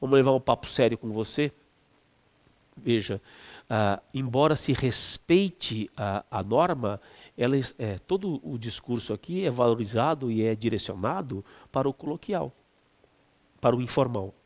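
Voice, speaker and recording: Animated male teacher in reverberant room. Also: mid-range voice, normal speed. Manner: explanatory, with frequent fillers and restarts; stretches words to stress them. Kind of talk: exam-prep lesson.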